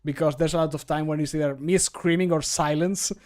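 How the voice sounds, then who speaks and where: Speaking from a small indoor room at home, this thirty-something streamer and amateur voice actor keeps his livestream chatter loose and self-mocking. He sits on the high side, talks fairly fast, and holds a steady, slightly mellow tone.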